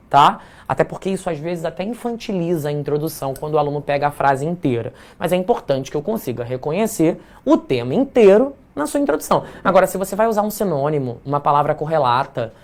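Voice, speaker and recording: A Brazilian man teaching a live online writing class, in a chatty, playful way that keeps checking in with the audience. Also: fairly high pitch. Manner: chatty, playful, tags remarks with "tá?".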